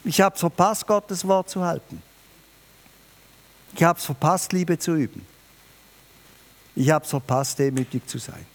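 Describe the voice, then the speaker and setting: A man preaching a New Year sermon, emphatic and lively, speaking directly to his listeners. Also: unhurried, long pauses. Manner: lively, emphatic, varies pitch and volume, addresses listeners directly.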